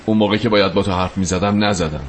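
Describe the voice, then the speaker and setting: An actor playing a weary, blunt companion who speaks cuttingly and with exasperation. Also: male voice, low-pitched, fairly even intonation, noisy background, natural voice. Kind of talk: drama acting.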